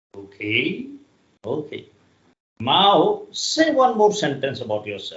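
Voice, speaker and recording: A somewhat breathy male voice. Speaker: retired army general, interviewer. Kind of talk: mock job interview.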